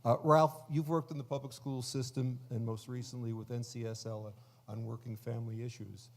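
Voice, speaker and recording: A man moderating a conference panel, introducing the guests formally in a measured way with frequent fillers. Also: medium pitch, level tone, slight background noise.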